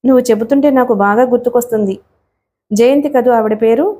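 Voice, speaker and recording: A gentle young daughter who speaks softly and tenderly, with a faint distance behind it, as a woman reads her. The voice is mellow and a bit high. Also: brisk, close to an everyday voice. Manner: soft, tender.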